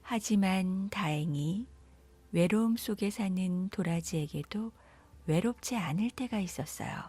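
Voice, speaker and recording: A woman's voice: fairly low pitch, measured pace, a little mellow, breathy edge. A woman storyteller narrating scripted children's folktales.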